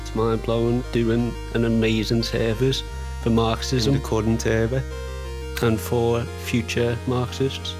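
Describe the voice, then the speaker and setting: A man's voice: mid-range voice, monotone, unhurried, over music. A man hosting an interview podcast, casual and enthusiastic, heaping praise on his guest. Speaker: podcast host.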